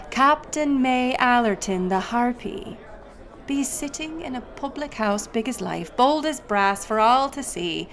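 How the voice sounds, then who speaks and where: A woman playing a bold, sly pirate captain in an audio roleplay, teasing and swaggering as she speaks to the listener. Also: a little high. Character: bold, sly female pirate captain, a notorious tavern storyteller.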